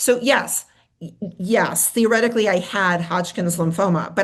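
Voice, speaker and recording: This is a plain, everyday voice at a moderate pace. Its pitch varies in an ordinary way. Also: woman. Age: 50s. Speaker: chiropractor. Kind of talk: interview.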